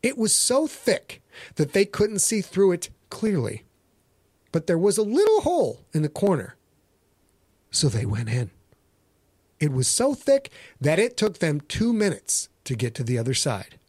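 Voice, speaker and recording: A man's voice: high voice, huge pitch swings, measured pace, darkish tone, no room sound. A middle-aged American man giving a theatrical, mock-serious dramatic reading of a story as its narrator. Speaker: author and narrator.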